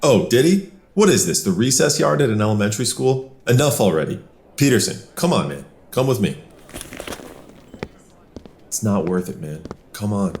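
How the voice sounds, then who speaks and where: Male actor as teasing, colloquial police buddy for audio drama, animated intonation, fairly low. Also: normal speed. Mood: calming, firm. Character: easygoing male cop, wisecracking peacemaker among colleagues.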